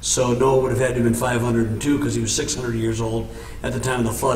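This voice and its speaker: A man speaks at a fairly quick pace. There is light background noise and audible room echo. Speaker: presenter. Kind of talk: informal lecture discussion. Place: home room.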